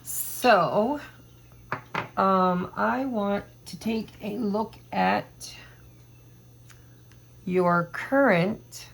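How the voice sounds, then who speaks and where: A woman doing a casual tarot reading to camera, hoarse from allergies, chatty and meandering as she thinks aloud. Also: mid-range voice, very slow, pauses often, rough recording. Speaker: tarot reader.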